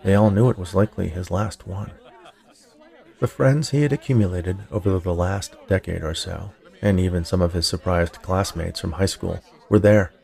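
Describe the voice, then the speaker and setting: Low-voiced, slightly creaky male story narrator. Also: normal speed, a little mellow. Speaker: narrator and podcast host. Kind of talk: scripted audiobook-style story narration.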